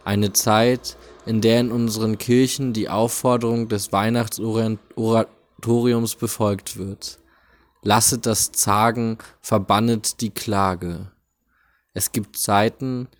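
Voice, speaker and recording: Man, very slow solemn reading, low voice, devotional text, deliberate pauses. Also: fairly even intonation, darkish tone. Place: near a busy street.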